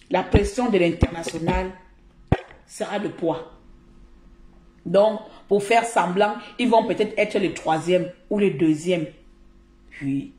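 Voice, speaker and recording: A woman's voice: mid-range voice, darkish tone, slight background noise. Blunt Cameroonian woman ranting in an echoey room. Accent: Cameroonian French. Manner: blunt, mocking, outspoken. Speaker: live streamer. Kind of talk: ranting live commentary.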